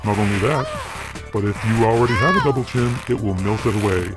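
A man reading a mock vintage commercial as an earnest sales pitch. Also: quick pace. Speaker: commercial narrator. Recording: voice over loud music.

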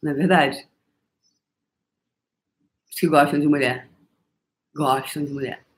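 Playful animated Brazilian woman live-streaming. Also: low-pitched, a little slow. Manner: animated, playful, laughs often, repeats incantation-like phrases. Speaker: live stream host leading a workshop. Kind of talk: casual spiritual coaching live stream.

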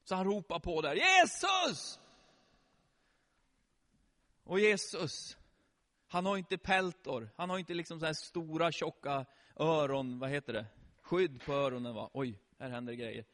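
A middle-aged man telling a Bible story to children in a lively way, often quizzing them with questions. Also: on the high side. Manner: animated, asks the children questions. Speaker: children's preacher.

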